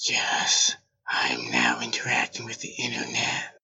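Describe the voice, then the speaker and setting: A woman voicing an eerie otherworldly being in a raspy, whispery voice for an audio drama. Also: rumbling low, big pitch swings, a little slow, pushed and bright, heavily acted. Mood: eerie calm.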